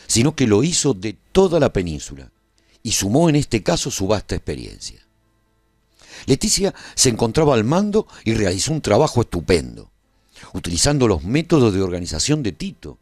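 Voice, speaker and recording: A man's voice: fairly low pitch, a little mellow, no room sound, clean studio sound. An actor playing a male resistance veteran who narrates a post-apocalyptic war in a scripted radio serial.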